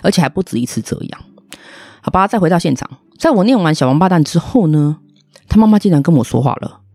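A woman hosts a casual monologue and tells her story with blunt indignation. Her voice swoops up and down, and the words tumble out rapidly. The recording is dry and close. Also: fairly low pitch, sing-song, warm tone, dry recording. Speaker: podcast host, restaurant owner.

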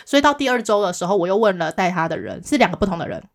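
A woman, co-hosting a casual chat podcast and telling a work story in a lively way, acting out the other people's replies. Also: medium pitch, rapid-fire. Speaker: podcast co-host.

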